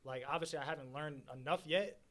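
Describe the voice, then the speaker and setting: A man's voice: fairly high pitch, quick pace, fairly bright tone. A man in his twenties co-hosting a podcast, asking pointed, challenging questions in casual chat. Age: 20s.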